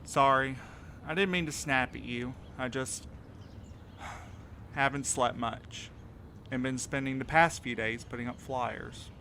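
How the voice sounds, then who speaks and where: A man's voice: mid-range voice, slow, pauses often, pushed and bright, a little hiss or hum. A man playing a weary, guarded, grieving mail carrier in an audio drama. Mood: tired, apologetic. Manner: reluctant, guarded, terse. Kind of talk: naturalistic audio drama dialogue.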